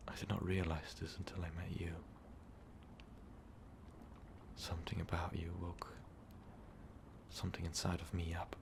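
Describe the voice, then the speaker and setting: A man performs an ASMR roleplay as a tormented vampire overlord, a ruthless conqueror now lovestruck and full of remorse. In a breathy, whispery, gravelly low voice he delivers an intimate monologue to the listener, halting and slow, in formal words that feel wistful and confessional.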